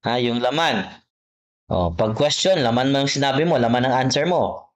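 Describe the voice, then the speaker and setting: A man's voice: mid-range voice, lively intonation, moderate pace. A man giving a private online exam-prep lesson, explaining patiently, repeating each point and checking in with his student. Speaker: test prep tutor. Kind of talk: private online tutoring session.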